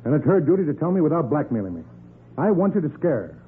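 Stingy pompous store president, old time radio drama, talks real fast, muffled old recording. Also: male voice, on the high side, very animated, a little hiss or hum. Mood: indignant. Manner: pompous, curt, indignant. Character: irritable, tight-fisted male department store president. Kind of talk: 1940s radio acting.

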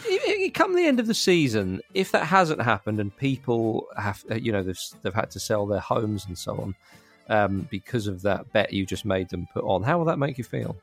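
A man's voice: lowish voice, sing-song, normal speed, vocal fry, faint music behind. A man hosting a football podcast, wrapping up with a jokey, teasing manner. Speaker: podcast host. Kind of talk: casual podcast chat.

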